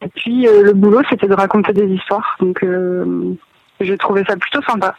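A woman from northern France, a guest in a casual interview, talking hesitantly with many pauses and fillers. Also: medium pitch, steady tone, vocal fry, dry recording, far from the mic, muffled recording.

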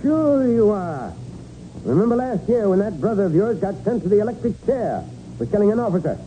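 Righteous small-town cop, American, high voice, scornful folksy bluntness, 1940s radio play, hissy background. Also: male voice, big pitch swings, fairly quick, warm tone. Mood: scornful scolding. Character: gruff, righteous small-town police chief, scolding. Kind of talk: 1940s radio crime drama acting. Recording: tinny, noisy 1940s radio recording.

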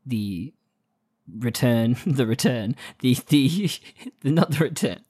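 A woman's voice: extremely low pitch, expressive, slow, mellow, husky. A woman chatting casually as a podcast co-host. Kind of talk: casual chat.

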